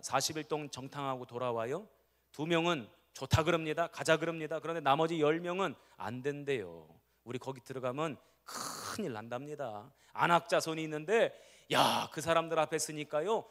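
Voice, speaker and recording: A middle-aged man preaching a revival sermon as a pastor, swinging from quiet storytelling to loud proclamation and acting out the prayers and commands he quotes. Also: fairly high pitch. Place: church sanctuary. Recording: long church hall reverb.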